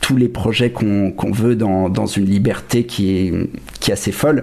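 Noticeable background noise behind a man speaking at a fairly low pitch. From France, Paris. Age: 30s. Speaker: actor. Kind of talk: testimony. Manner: halting.

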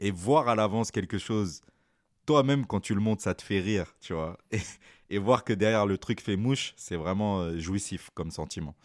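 On a very clean recording with a silent background and a dry, close sound with no echo, a man with an ordinary speaking voice talks at a moderate pace and fairly low pitch with ordinary pitch variation. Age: 30s. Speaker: finance coach and comedian. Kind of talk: interview.

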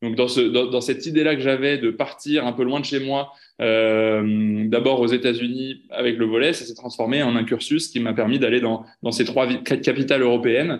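A man at a medium pitch and moderate pace, with fairly even intonation and hardly any pauses. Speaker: head of a youth public-speaking nonprofit. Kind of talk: interview. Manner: halting, many repetitions and hesitations.

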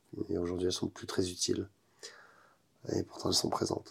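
On a very clean recording with a silent background, a man speaks with a very deep, low pitch and a dark, mellow tone. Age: 30s. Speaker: smoker trying to quit, fruit and vegetable trader. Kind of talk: casual interview testimony. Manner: talkative.

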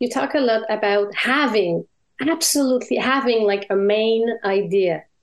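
A woman with a Quebec French accent speaks at a fairly slow pace, her fairly high pitch showing ordinary variation. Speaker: podcast host, entrepreneur. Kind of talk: interview.

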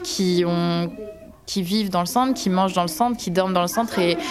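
Noticeable background noise surrounds a woman whose fairly low voice shows ordinary pitch variation. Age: 20s. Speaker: civic service volunteer, activity programmer. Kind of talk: interview.

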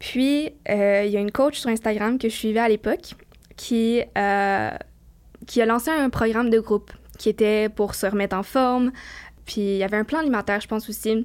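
Her tone fairly level and her pitch rather high, a woman talks in a plain, everyday voice. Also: moderate pace. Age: 20s. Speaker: podcast host. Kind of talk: interview.

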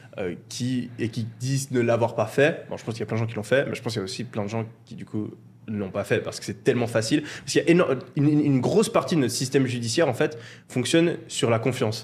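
Somewhat breathy and at a medium pitch, a man races along at a very fast pace, with ordinary pitch variation and big swings in loudness. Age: 20s. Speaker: podcast host. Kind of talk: casual chat.

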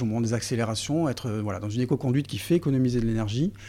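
With a dark, mellow tone, a man talks at a medium pitch and with ordinary pitch variation. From southern France, Marseille. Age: 40s. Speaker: rail company business director. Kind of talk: interview. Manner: halting.

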